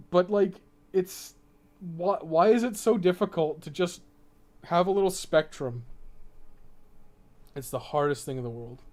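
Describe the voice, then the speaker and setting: A man's voice: mid-range voice, a little mellow. A man giving casual, rambling, sweary gameplay commentary as a streamer. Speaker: game streamer and podcast co-host.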